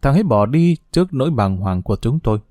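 A man reading an audiobook as narrator in a steady, somber manner, close to the mic. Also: medium pitch, fast talker, no room sound.

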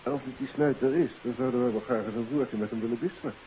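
A male actor plays a dryly genial police inspector in a vintage radio mystery. His mid-range male voice is matter-of-fact and unhurried in manner. The sound is muffled, with light hiss. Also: mid-range voice, lightly acted. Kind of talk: 1950s Dutch radio drama acting. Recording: hissy, muffled old radio recording.

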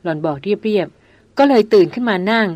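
A woman's voice: medium pitch, expressive, moderate pace, darkish tone, no room sound, natural voice. A woman doing a headstrong young noblewoman. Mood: insistent. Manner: firm, insistent.

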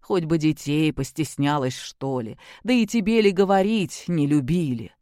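A woman voicing a tired older woman who speaks quietly and reproachfully. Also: low-pitched, expressive, normal speed, no room sound, studio quality. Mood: weary. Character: weary older woman, grandmother.

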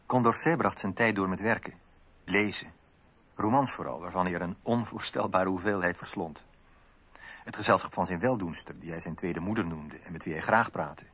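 Low, husky reminiscing man. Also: moderate pace, fairly bright tone. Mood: fond, reflective. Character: male memoirist fondly recalling a hidden friend. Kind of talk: reminiscing monologue in radio drama. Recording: slightly dull radio recording.

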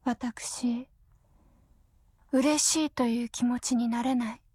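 A wife brought back by an artificial heart, her high voice husky and breathy. She speaks flat and hushed, with nothing behind the words. Dry studio sound, faint music underneath. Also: slow pace, no echo. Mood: numb. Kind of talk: radio drama acting.

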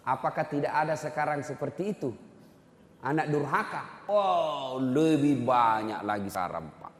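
A man preaching a dramatic storytelling sermon, swinging from loud to hushed. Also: medium pitch, animated, normal speed. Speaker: Islamic preacher. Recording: echoey hall reverb.

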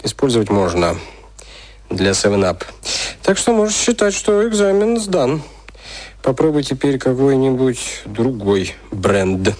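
A man's voice: medium pitch, sing-song, measured pace, darkish tone. An actor playing a self-assured advertising boss, condescending and instructive as he mentors a novice.

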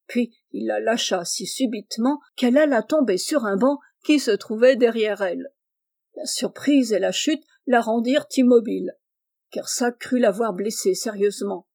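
A woman's voice: on the high side, normal speed, a little mellow. Woman reading a classic novel aloud. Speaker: audiobook reader.

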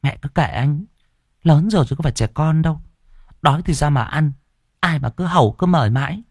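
A man's voice: fairly high pitch, animated, normal speed, a little mellow, slightly rough, no echo, clean studio sound, pitched above the performer's own voice. A man voicing a frightened, stammering young woman in a ghost story. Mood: sulky. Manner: stammering, panicky.

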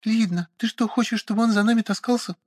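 A man voicing a blunt, sharp-tongued, haughty young noblewoman. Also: high voice, steady tone, fast, pitched above the performer's own voice. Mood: scornful. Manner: blunt, scornful. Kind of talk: audiobook character voice.

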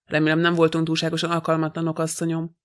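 A man voicing a polite, fussy elderly detective in a flat, even reading. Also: fairly high pitch, close to an everyday voice. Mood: courteous.

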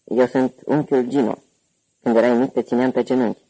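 A man voicing a hoarse, corpulent older gangster uncle who talks boisterously and at length. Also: medium pitch, level tone, dark tone, natural voice, poor audio. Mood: jovial.

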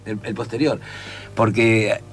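A man's voice: lowish voice, fairly even intonation, unhurried, slightly rough, faint music behind. A man with a Rioplatense Spanish accent, a writer and teacher in casual conversation, who sings out rhythms to explain his points.

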